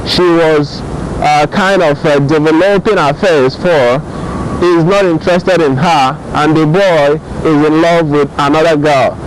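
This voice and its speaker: A man's voice: on the high side, steady tone, a little slow, slight background noise, low-quality recording. A man with a Nigerian accent giving casual vlog commentary, often repeating and rephrasing his points. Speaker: YouTube host.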